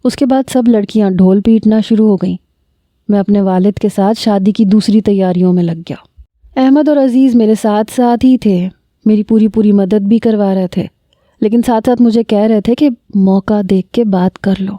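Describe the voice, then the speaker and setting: A woman narrating a romantic story in a steady, measured reading. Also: mid-range voice, no echo.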